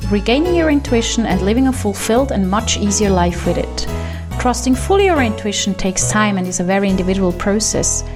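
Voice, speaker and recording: A woman with a Swiss German accent hosts her own podcast as an intuition coach, speaking animatedly by herself. Her pitch jumps up quickly whenever she wants to stress a point in this solo monologue.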